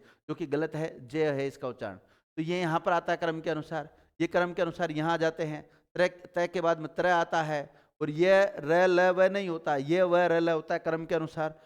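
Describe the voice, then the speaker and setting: Male tutor, slightly high and very clean voice, patient step-by-step classroom explainer who quizzes then answers. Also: clear, resonant tone. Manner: explains step by step, asks and answers his own questions. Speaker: teacher. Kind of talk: classroom grammar lesson.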